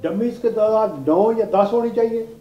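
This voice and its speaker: Older Pakistani man lecturing, high-pitched voice. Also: normal speed. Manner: explanatory, repetitive, step-by-step, mixing in English legal terms. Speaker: law lecturer, retired judge. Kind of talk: classroom lecture. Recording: roomy, dull classroom recording with background noise.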